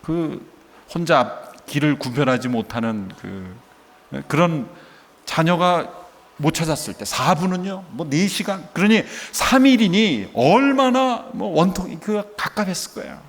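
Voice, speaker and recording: Long hall reverb surrounds this middle-aged pastor as he preaches with feeling, his voice on the high side, expressive, and a little slow. Along the way he asks rhetorical questions and performs the dialogue he quotes.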